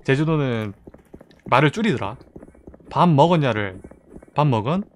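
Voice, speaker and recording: A man's voice: mid-range voice, lively intonation, normal speed, a little hiss or hum. A man with a Gyeongsang accent, streaming a shooter game live, chatting casually and thanking viewers from the chat. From South Korea, Busan.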